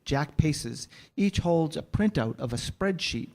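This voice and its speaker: A man's voice: fairly high pitch, animated, measured pace, gravelly, darkish tone. A man narrating the stage directions of a screenplay at a live staged reading.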